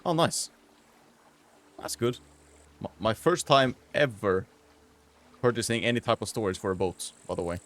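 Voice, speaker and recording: A man hosting a gaming video, giving casual gameplay commentary with excited outbursts and casual slang. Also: fairly low pitch, moderate pace.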